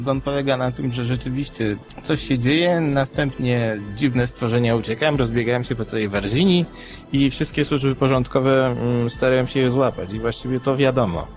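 A man of average pitch comments as a podcast co-host. He explains in a measured, analytical and conversational way. Faint music runs beneath his voice.

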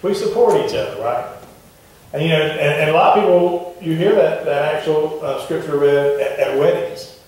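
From the back of a wooden church, a far camera picks up a middle-aged pastor's conversational sermon as he poses questions to the congregation. His voice is slightly high for a man, a little mellow, and paced normally, all swimming in heavy echo.

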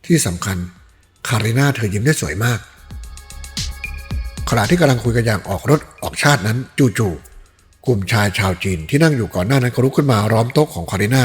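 A man reading a novel aloud as an audiobook narrator, in an even, measured style. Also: medium pitch. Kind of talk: storytelling narration.

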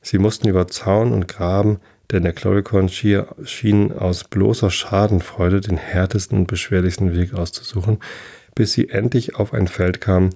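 A man calmly reading a fairy tale aloud as a sleep podcast host, even and unhurried. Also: low voice, gravelly. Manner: slow, even reading with small slips. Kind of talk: calm bedtime story reading.

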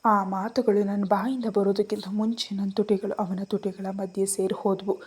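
A woman's voice: medium pitch, flat delivery, normal speed, darkish tone, husky, no echo. A young woman narrating a first-person romance story in a tender, emotional way.

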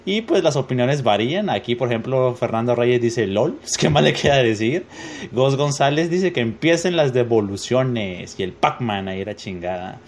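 A young Mexican-accented man reads comments off his screen, cursing and joking between them at a mid-range pitch. It sounds like a home desk mic with a faint hiss underneath. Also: expressive, normal speed. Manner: profane, joking, reads comments aloud with laughs. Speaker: gaming youtuber reading comments. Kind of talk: casual screen-reading commentary.

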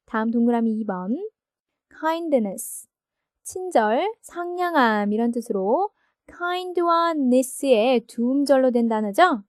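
A woman teaching English grammar in a recorded textbook lesson, explaining slowly and checking each point with her listeners. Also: on the high side, lively intonation, no echo, studio quality. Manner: slow, explanatory, asks confirming questions.

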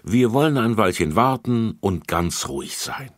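Man doing a calm, kind children's home director lady. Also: lowish voice, unhurried, dry recording, clean studio sound, pitched above the performer's own voice. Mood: soothing. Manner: soothing, reassuring. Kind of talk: children's audiobook reading.

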